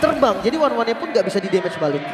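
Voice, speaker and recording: A man's voice: very high voice, very animated, rapid-fire, a loud crowd. A man with an Indonesian accent giving analytical live commentary as co-caster of an esports match. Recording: loud music under the commentary.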